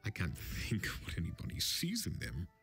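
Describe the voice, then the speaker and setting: A man voicing a polite, fussy, excitable hobbit gentleman in a storybook reading, prim and chatty with eager exclamations. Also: low voice, normal speed, gravelly, full character voice. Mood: flustered, dismissive. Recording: film score music underneath.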